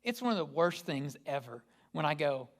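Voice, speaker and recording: A man's voice: on the high side, big pitch swings, moderate pace. A man, a pastor, giving a conversational sermon and asking the congregation rhetorical questions. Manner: casual, asks the listeners rhetorical questions.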